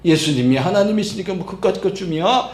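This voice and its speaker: A man's voice: high voice, animated, quick pace, roomy sound. A man preaching a Sunday sermon as pastor, emphatic, acting out quoted voices and filling with little interjections. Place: church sanctuary.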